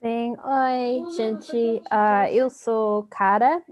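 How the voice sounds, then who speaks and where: A woman with an English accent speaks very slowly and haltingly as a language learner. She is a native English speaker introducing herself. Her voice is fairly mellow and the recording is a little dull. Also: fairly high pitch, steady tone. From England. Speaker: language student. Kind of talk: hesitant self-introduction in a foreign language.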